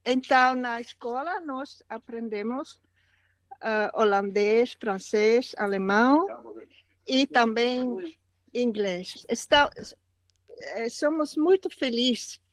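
A Dutch-accented woman from Flanders speaks very slowly in learner's Portuguese, pausing and repeating as she hunts for words. Her slightly high voice sounds dry and close. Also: no echo. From Flanders, Belgium. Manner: halting learner speech, searches for words and repeats. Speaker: student and guest caller. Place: outdoors in her garden.

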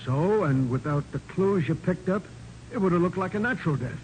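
A grumbling American police sergeant, pitched a little high and swooping with exasperation. He blusters sarcastically in old radio crime drama style, over faint recording noise. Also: animated, a little mellow, poor audio. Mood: gruff, businesslike. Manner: blustery, sarcastic, halting when flustered. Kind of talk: 1940s radio acting.

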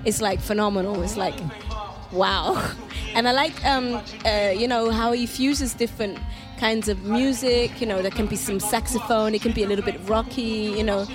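A young woman raised in Denmark talks about her music in a loose, giggly way full of "like" and "you know". Her voice sits a touch high. Loud live music plays behind her at an outdoor festival. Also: fairly even intonation, moderate pace. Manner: chatty, giggly, lots of fillers. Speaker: singer-songwriter guest. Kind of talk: casual interview chat. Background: stage music playing.

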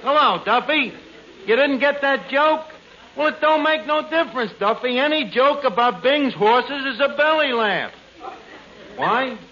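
An actor playing a brash, bumbling tavern manager who mangles big words, heard as an old 1940s radio broadcast. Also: male voice, extremely high pitch, animated, measured pace, exaggerated voice. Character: bumbling tavern manager, man, ungrammatical and pushy. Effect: 1940s radio broadcast sound. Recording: dull 1940s radio broadcast with loud audience and hiss.

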